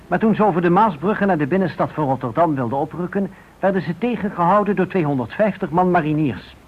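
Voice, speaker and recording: A man's voice: sits high, fast. A man giving dramatic scripted narration for a radio play, in grave, clipped sentences. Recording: muffled old radio recording, clear noise.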